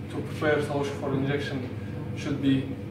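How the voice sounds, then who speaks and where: Someone talks at a moderate pace amid noticeable background noise and audible room echo. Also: man. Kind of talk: class presentation. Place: classroom. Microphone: camera far.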